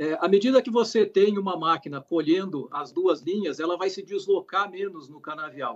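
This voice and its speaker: Against a quiet background, a man speaks at a moderate pace. His pitch is high, with ordinary pitch variation. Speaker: company sales director. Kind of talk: interview answer. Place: home room. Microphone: video call.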